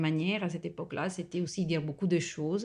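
Speaking in an Italian accent, a woman with a fairly low pitch talks at a moderate pace. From northern Italy, near Milan. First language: Italian (speaking French). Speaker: social worker. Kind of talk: interview. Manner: halting.

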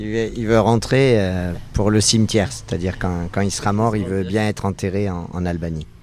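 With a plain, everyday voice, a man talks at a moderate pace and a fairly low pitch, using ordinary pitch variation and hardly any pauses. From France. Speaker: clarinetist. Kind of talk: interview.

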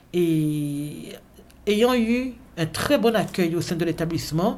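The voice belongs to a woman. The room adds audible echo. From Guadeloupe (Pointe-à-Pitre). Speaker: school administrator. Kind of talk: interview.

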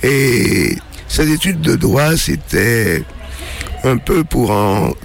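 Lively intonation from a man at medium pitch, with noticeable background noise. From Haiti (Port-au-Prince). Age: 60s. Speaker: poet. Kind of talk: interview. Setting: outdoors.

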